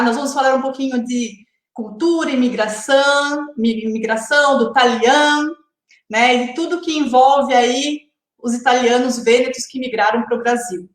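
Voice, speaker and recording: Woman, live-stream host, chatty, high-pitched, echoey room. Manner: chatty, frequent tag questions. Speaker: host of a live interview series. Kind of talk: casual live-stream hosting.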